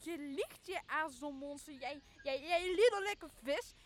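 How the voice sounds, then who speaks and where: A woman's voice: high-pitched, unhurried. A young woman, a student actor in a radio play, playing a mocking, whiny, tipsy jester sidekick. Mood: mocking, outraged. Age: young adult. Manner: scornful, complaining, exclaiming. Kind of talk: amateur radio drama acting.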